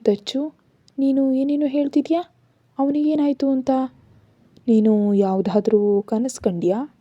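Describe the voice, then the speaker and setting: A middle-aged mother in a spoken story, gently questioning her worried daughter, as a woman narrator puts her on. The voice is a touch raised yet dark and husky, recorded dry. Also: sits high, steady tone, unhurried, no echo, dull audio, pitched above the performer's own voice. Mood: puzzled.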